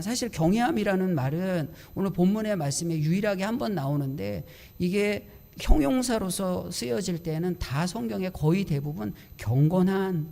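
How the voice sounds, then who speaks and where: A man's voice: high-pitched, creaky, darkish tone. A male pastor preaching a sermon, telling a personal story and acting out his own inner grumbling.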